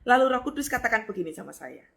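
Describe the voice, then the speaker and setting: A middle-aged woman pastor, preaching a lively sermon and acting out voices with sudden high exclamations. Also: quick pace, creaky.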